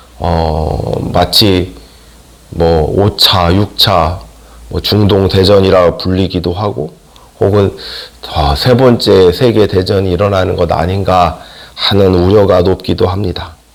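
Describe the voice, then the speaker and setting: Against noticeable background noise, a man talks very slowly in a very deep, low voice. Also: ordinary pitch variation. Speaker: pastor. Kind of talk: sermon. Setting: church service broadcast.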